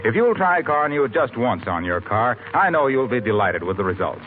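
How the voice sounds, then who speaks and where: A man as a 1940s radio announcer with a brisk, salesy delivery. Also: mid-range voice, very animated, slight background noise. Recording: tinny old radio with faint music.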